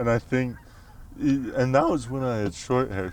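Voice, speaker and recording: Over noticeable background noise, a man talks at a moderate pace, his pitch varying in an ordinary way. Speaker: podcast guest. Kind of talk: casual chat.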